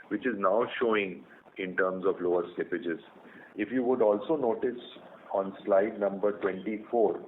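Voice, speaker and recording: A man with an Indian accent, a company executive explaining results in a measured way on an earnings call. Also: deep voice. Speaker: company executive answering analysts. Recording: narrow phone line with faint noise.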